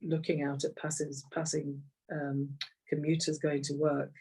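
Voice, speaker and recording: A woman's voice: deep voice, level tone, unhurried, dark tone, husky, far from the mic, low-quality recording. A middle-aged woman with an English accent tells personal stories conversationally, reflective and repeating phrases for emphasis. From Kenya, later rural England. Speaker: interview guest, executive coach.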